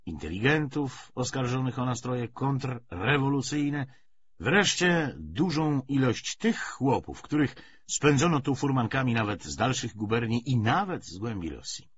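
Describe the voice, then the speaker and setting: A man narrates literary fiction in a fairly low, raspy voice. His intonation is lively and varied as he reads the scripted prose. The recording is somewhat muffled. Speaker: audiobook narrator.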